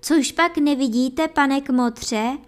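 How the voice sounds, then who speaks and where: A woman's voice: high-pitched, voice pushed up, close to an everyday voice. A woman reading a fairy tale aloud, voicing a sly, cunning gamekeeper who teases and fools his neighbour. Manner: sly, teasing, mock-reluctant.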